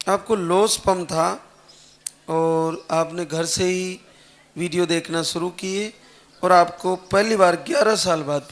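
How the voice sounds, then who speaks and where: A man hosting a devotional program who asks guests short leading questions and congratulates them. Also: a little high. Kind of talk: questioning guests, announcing blessings.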